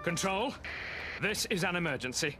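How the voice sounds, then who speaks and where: Cartoon police constable, young, firm and urgent, raised pitch with lively inflection. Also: male voice, moderate pace. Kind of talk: animated cartoon acting. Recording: music behind voice.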